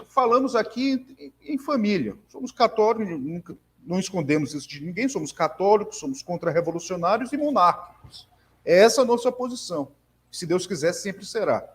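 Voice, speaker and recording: A Brazilian man speaking in a slightly raised register, earnest and emphatic about his convictions. He speaks haltingly, stumbling over repeated words and restarting his sentences as he thinks aloud in a relaxed conversation. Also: sits high. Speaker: conversation partner, bookseller. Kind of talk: conversational discussion.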